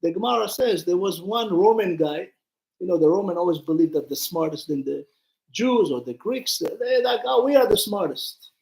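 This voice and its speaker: A man's voice: high voice, animated, normal speed, gravelly, darkish tone, reverberant, low-quality recording. A man, a rabbi, giving an informal Torah lesson, retelling stories with acted-out dialogue and putting questions to his listeners. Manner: conversational, acts out dialogue, puts questions to listeners.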